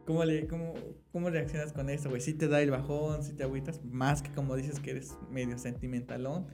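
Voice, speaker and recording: A Mexican man hosting a casual interview podcast, relaxed, slangy and laughing along. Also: mid-range voice, brisk, soft background music. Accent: Mexican Spanish. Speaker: podcast host.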